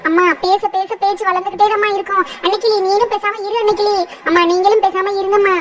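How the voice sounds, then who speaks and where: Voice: very high-pitched, little pitch movement, fast. A voice actor playing a young village husband in a cartoon, pleading with his mother and wife to stop quarrelling. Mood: soothing. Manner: pleading and soothing with rural speech. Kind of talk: cartoon voice acting.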